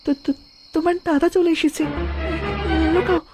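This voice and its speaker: A woman's voice: very high voice, fairly even intonation, normal speed, over music. A woman playing a flirtatious, scheming married woman in a comic cartoon, with a coquettish, coaxing manner. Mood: flustered. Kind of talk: exaggerated comic cartoon dialogue.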